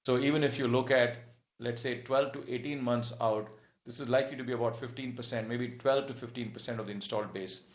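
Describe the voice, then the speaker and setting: Echoey, halting male executive. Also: medium pitch, fairly even intonation. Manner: halting, measured, explanatory. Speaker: telecom company executive. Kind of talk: earnings call answers. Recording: dull, echoey conference-call audio.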